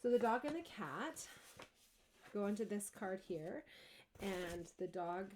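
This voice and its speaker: A chatty woman in her thirties hosts a casual card-making demonstration with easy enthusiasm. Her voice sits at an ordinary middle pitch. A faint hiss runs underneath her speech. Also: animated, slow pace. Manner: chatty and enthusiastic, laughs easily. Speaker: craft demonstrator and stamping club host.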